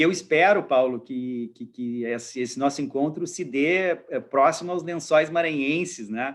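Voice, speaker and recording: With a Rio Grande do Sul accent, a man speaks at a fairly high pitch with ordinary pitch variation over a quiet background. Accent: gaúcho. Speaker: law professor, lecturer. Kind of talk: closing remarks of online lecture. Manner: fluid.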